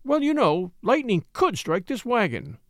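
Refined adventure-story lady, jittery and excitable, raised pitch, performed by a male narrator. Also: a little slow, no echo, clean studio sound, full character voice. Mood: alarmed. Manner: breathy exclamations and whispers.

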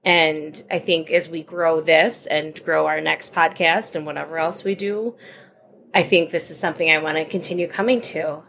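A woman's voice: low-pitched, steady tone, normal speed, gravelly, fairly bright tone, slight background noise. A woman co-hosting a podcast, chatting casually and acting out quoted asides, recorded at a busy conference. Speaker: podcast co-host. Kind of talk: casual chat.

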